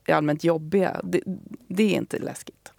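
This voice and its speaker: A woman's voice: deep voice, creaky, darkish tone, no echo, studio quality. A woman talking casually on the radio as a guest recommending a book, hesitant, with many fillers and restarts.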